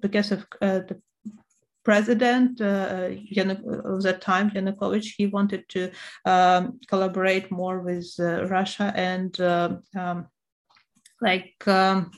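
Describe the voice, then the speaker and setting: A woman in her thirties with a Ukrainian accent, speaking at a slow, unhurried pace with a mid-range voice. She answers interview questions hesitantly and fills the gaps with many fillers. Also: mid-range voice, flat delivery. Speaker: interview guest.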